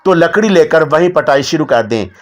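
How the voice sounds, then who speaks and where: A man's voice: on the high side, lively intonation, moderate pace, close to an everyday voice. A man voicing a playful young daughter who teases in his own reading voice. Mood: teasing. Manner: teasing.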